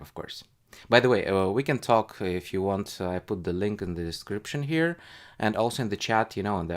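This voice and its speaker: A man hosting a casual live stream as a retail investor, thinking aloud in a halting, hesitant way. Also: low-pitched. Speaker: livestream host, retail investor.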